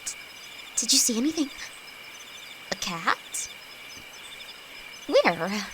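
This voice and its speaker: A woman's voice: a little high, sing-song, slow pace. A woman acting a timid, affectionate young apprentice alchemist in an intimate audio roleplay, nervous, stammering and hesitant, speaking to her best friend. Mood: alarmed, confused. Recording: insect and cricket noise behind voice. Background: night forest ambience with crickets.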